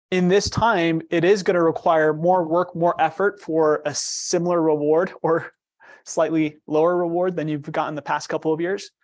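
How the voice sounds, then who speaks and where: Quiet-voiced man leading a workshop. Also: fairly high pitch, no echo. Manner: quiet, asks the audience questions. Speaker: trainer. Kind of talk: workshop presentation.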